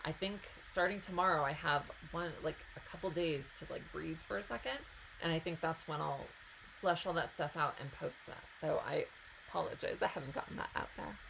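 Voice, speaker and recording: A woman's voice: low-pitched, fairly quick, creaky, background noise. A woman hosting a live stream, reading out viewer questions and answering them in a chatty, casual way.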